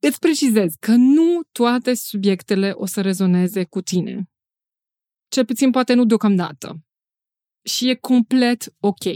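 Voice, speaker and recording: A woman's dark, mellow tone with lively intonation at a fairly slow pace, in a very clean recording with a silent background and a dry, close sound with no echo. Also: fairly high pitch for a woman. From Romania, Cluj. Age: 30s. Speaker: podcast host and personal development trainer. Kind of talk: scripted podcast monologue.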